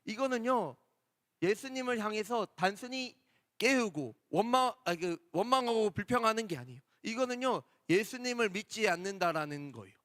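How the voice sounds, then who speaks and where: A man with a fairly high voice gives a children's Sunday sermon in a church. He speaks gently, asks questions and repeats his key points for the young listeners. The sound is close at the source but trails a long hall reverb. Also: expressive, moderate pace. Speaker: children's department preacher.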